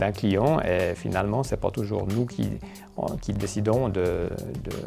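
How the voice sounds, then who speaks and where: A man with a Vaud accent at a fairly slow pace, lively intonation over music in the background. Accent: Vaud Swiss French. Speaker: property management company director. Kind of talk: interview answer. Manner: calm, reassuring.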